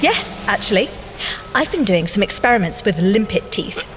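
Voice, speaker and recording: An actress playing a brainy, dry, teasing young scientist agent in audio drama banter, speaking precisely. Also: female voice, mid-range voice, sing-song, moderate pace, slight background noise, lightly acted, poor audio. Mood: earnest, eager. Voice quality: precise, wry delivery.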